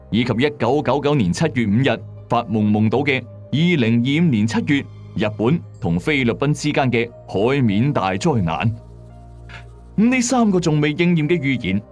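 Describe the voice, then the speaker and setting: A man's voice: mid-range voice, darkish tone. Hk cantonese guy doing spooky mystery narration, very up and down intonation, dramatic, bit of music under it. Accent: Hong Kong Cantonese. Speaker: narrator and host of a late-night mystery story channel. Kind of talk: scripted storytelling narration. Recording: voice over background music. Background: music bed.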